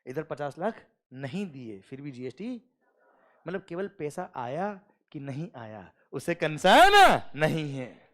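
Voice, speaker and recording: A man's voice: on the high side, big pitch swings, slow pace, a bit bright. A middle-aged man teaching a class, telling a story and acting out its dialogue.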